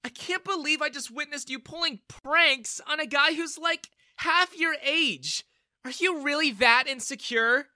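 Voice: medium pitch, very animated, a little slow, bright, forceful tone, no echo, studio quality, pitched above the performer's own voice. A narrator doing a fiery young daughter. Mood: fierce. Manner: earnest, outspoken.

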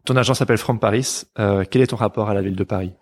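A man from Belgium, an illustrator hosting the show, asking questions in a relaxed, conversational way. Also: on the low side, very fast, husky. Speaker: podcast host, illustrator. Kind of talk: casual interview chat.

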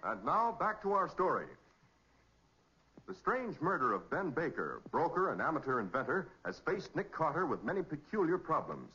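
Male American announcer, 1940s radio narration: emphatic, very lively delivery, dull vintage recording. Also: fairly high pitch, normal speed, slightly rough, soft background music. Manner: polished, emphatic, dramatic.

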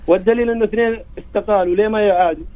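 A man's voice: high voice, rapid-fire. A man with a Saudi accent calling a sports show by phone, arguing his point insistently with rhetorical questions. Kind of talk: opinionated phone-in discussion. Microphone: telephone. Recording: narrow, tinny phone line.

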